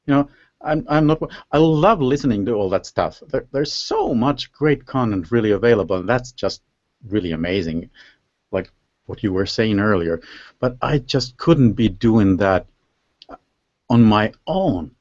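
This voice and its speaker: A man's voice: fairly low pitch, lively intonation, unhurried, a little mellow, no echo. A man from Finland, a native Finnish speaker with a Finnish accent, hosting a casual interview and often searching for words. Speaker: interview host. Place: live video call. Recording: dull lo-fi online call audio.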